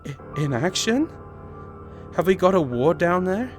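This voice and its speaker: A man's voice: high-pitched, sing-song, unhurried, soft background music, voice pushed up. A man voicing a distraught, grieving woman with a trembling, tearful voice in an audiobook. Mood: incredulous, distraught. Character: distraught grieving woman shouting through tears.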